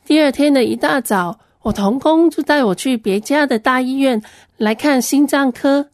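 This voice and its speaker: High-voiced woman. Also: normal speed, a little mellow, no echo, studio quality. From Hong Kong. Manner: earnest, plain storytelling. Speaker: Christian ministry worker giving a testimony. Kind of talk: personal testimony storytelling.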